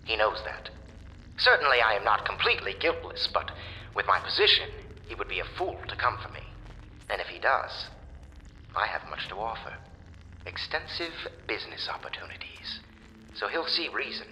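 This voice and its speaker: A man's voice: on the low side, big pitch swings, normal speed, pauses often, bright, forceful tone, big-room sound, a little hiss or hum, heavily acted, poor audio. An actor playing a smug nobleman murmuring self-assured reassurances to himself.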